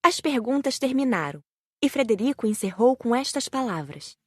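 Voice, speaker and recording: A woman narrates an audiobook from a script. Her voice sits fairly high and moves with animated intonation. The recording is dry, with no room sound. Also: moderate pace, slightly rough, no echo. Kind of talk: scripted first-person narration.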